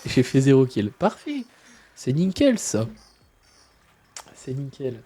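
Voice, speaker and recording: A man's voice: mid-range voice, takes it slowly, a little hiss or hum. A man streaming a game live, chatting casually while he plays, stuffy from a cold. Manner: relaxed, mumbling asides, frequent fillers. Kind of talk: casual live gameplay chat.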